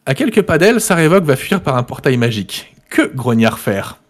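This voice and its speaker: A man's voice: mid-range voice, sing-song, normal speed. A man voicing a dim, boastful male barbarian warrior who talks in broken caveman grammar.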